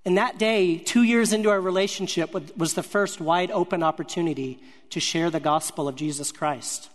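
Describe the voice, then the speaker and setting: A man's voice: high voice, moderate pace, long reverb tail. A man telling a personal faith story as a sermon, earnest and speaking in short broken-up phrases. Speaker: speaker sharing a ministry testimony.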